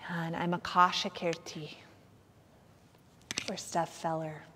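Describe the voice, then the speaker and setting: A woman teaching yoga nidra, guiding a meditation in a soothing, gentle manner with unhurried pauses. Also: on the low side, level tone, a little hiss or hum. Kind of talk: guided meditation instruction. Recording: long hall-like reverb.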